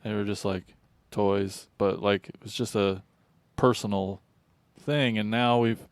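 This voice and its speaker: A man's voice: fairly low pitch, steady tone, measured pace, dry recording. Laid-back man co-hosting, dry sound. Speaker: podcast co-host. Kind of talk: casual podcast chat.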